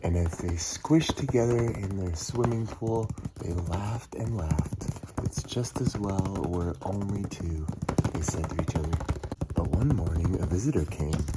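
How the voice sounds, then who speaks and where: A man reading a children's storybook aloud in an expressive way, acting out the dialogue. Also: sits low, unhurried. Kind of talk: storybook narration. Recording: noisy, with typing and clicks.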